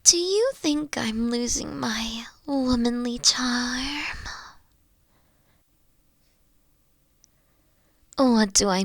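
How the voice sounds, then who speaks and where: A woman playing a mature, regal queen in an audio roleplay, teasing and flirtatious with a breathy, coy delivery and a protective streak. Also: fairly high pitch, fairly bright tone, no echo, clean studio sound, exaggerated voice. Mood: coy, wounded.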